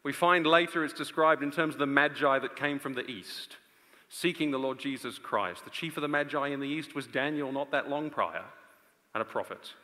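Bright-voiced man preaching in a big echoing hall. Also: mid-range voice. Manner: earnest, rhetorical, with dramatic pauses and swings from loud to hushed. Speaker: preacher and conference speaker. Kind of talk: live sermon to a large audience. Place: stage of a large indoor auditorium. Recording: long reverb of a large auditorium.

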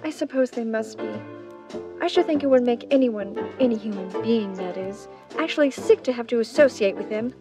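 A woman as a high-voiced society lady. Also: a little fast, over music, close to an everyday voice. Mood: gracious charm. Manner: polite, gracious, artful. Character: charming, poised society lady, slyly flirtatious. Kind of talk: 1930s radio drama acting.

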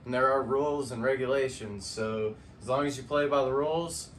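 A man's voice: mid-range voice, a little fast, recorded from a distance, slight background noise. A man hosting a casual vlog, folksy and heartfelt, laughing often as he talks. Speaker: channel host.

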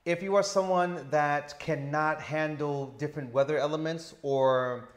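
A man in his thirties with a stutter, talking slowly and deliberately as an interview guest on a lapel mic indoors. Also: fairly high pitch, fairly even intonation. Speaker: interview guest, teacher living abroad. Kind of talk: casual interview. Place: indoor lounge with sofa.

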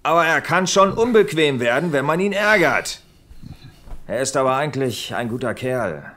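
Actor as ageing police uncle with lively intonation. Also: male voice, medium pitch, moderate pace. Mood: weary, cautioning. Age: 60s. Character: ageing police uncle near retirement, cautioning, world-weary. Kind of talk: German audio drama acting.

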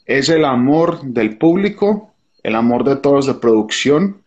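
A young Colombian man with a Colombian accent speaks at medium pitch and a measured pace, his intonation lively and his tone a little mellow. As a former TV show contestant and guest on a casual video call interview, he talks earnestly and thoughtfully about his time on the show, slipping English fillers into his speech. The lo-fi call audio comes from a phone in a dim indoor room.

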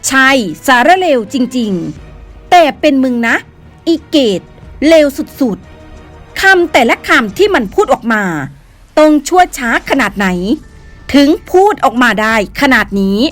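Woman narrator, high animated voice, scornful, over faint music. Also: slow pace. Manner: scornful, condemning. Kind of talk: scripted news commentary narration.

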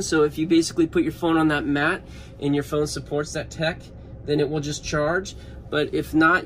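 There's a faint hiss or hum as a vlogger with a slightly high voice tours a parked van. Holding his phone, he keeps up a chatty, offhand commentary, thinking out loud during the casual walkaround.

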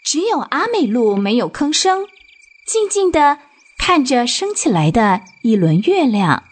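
A woman narrating a children's radio drama in an expressive storytelling manner. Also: high voice, a little slow.

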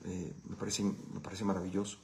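A man's voice: sits low, little pitch movement, fairly quick, background noise. A man with a Mexican Spanish accent hosting a casual live Q&A. He answers viewer questions in a blunt, profane, conversational way.

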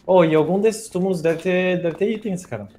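A man's voice: high voice, a little fast. A young man playing alongside a friend, bantering teasingly in slangy chat. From Brazil. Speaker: co-player. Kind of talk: casual gameplay chat.

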